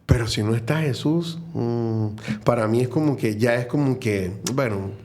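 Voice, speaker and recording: A man's voice: mid-range voice, moderate pace, darkish tone. A middle-aged man with a Venezuelan accent, a guest speaking earnestly and reflectively in a conversational interview, with many fillers and restarts. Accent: Venezuelan Spanish.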